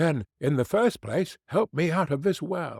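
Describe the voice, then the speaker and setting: A man's put-on character voice, fairly high in pitch with lively intonation at a fairly slow pace, in a very clean recording with a silent background. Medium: read story.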